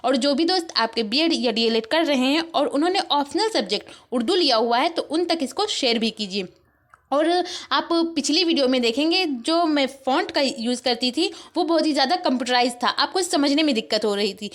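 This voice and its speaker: Indian woman teacher, high voice, patient step-by-step explainer for an online lesson. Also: a bit bright. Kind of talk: explaining an exam paper.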